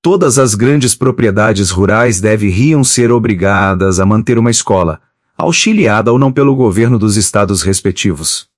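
A man reading a book of letters aloud in a steady, measured way, reading the page headings out too. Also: lowish voice, no room sound, studio quality. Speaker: audiobook reader.

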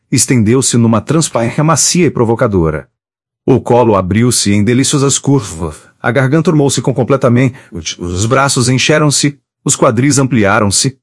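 Man, audiobook narrator, measured reading, mid pitch, dry close recording. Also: no room sound.

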